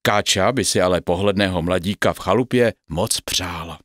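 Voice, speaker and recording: A man's voice: low-pitched, no echo, studio quality. A man narrating a bedtime fairy tale, speaking directly to the children listening. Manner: lively, addressing children directly. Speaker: storyteller.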